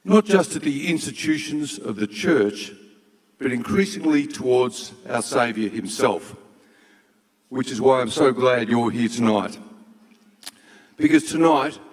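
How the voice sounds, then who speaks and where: A man in his sixties addresses an auditorium through a handheld microphone, with long hall reverb. His delivery is formal and measured, with solemn, deliberate phrasing and a medium pitch. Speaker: event host. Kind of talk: formal stage introduction and prayer. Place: large auditorium stage.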